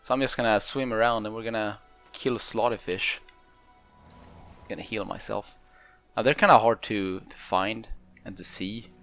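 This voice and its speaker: Low-pitched man giving casual game commentary. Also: steady tone, normal speed, a bit bright. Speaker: gamer, let's play host. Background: game music.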